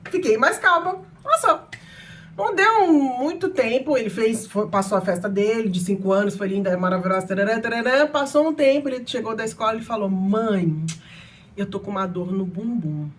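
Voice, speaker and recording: A woman's voice: fairly high pitch, brisk, a little hiss or hum. A woman in her thirties with a Brazilian accent, hosting her channel and telling a personal story with strong emotion. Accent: Brazilian Portuguese. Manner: emotional, animated, shifts between soft and loud. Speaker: channel host.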